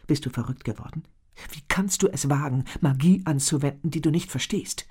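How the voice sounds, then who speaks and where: A narrator doing a stern, loud tribal leader. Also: mid-range voice, brisk, breathy edge, close to an everyday voice. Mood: angry. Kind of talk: audiobook reading.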